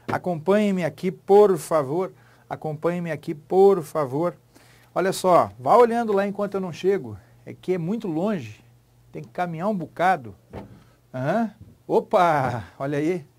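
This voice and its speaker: A man's voice: high-pitched, animated, a little slow, a little mellow. A man with a Brazilian Portuguese accent teaching a grammar lesson in a playful, joking, emphatic way.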